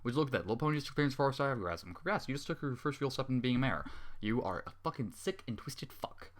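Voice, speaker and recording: A man's voice: medium pitch, expressive, fast talker, natural voice. A man reading as a cruel unicorn stallion. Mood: sneering.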